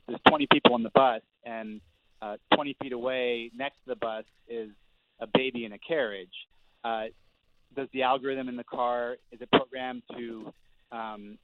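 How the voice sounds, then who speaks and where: A man's voice: medium pitch, no room sound. A male reporter speaking as a guest in a panel discussion, hesitant with many fillers and restarts. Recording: tinny phone line with clear noise.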